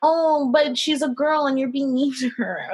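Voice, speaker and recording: Putting on a character voice, a woman speaks at a moderate pace in a high-pitched, whiny tone with monotone, flat intonation. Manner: mocking, whiny.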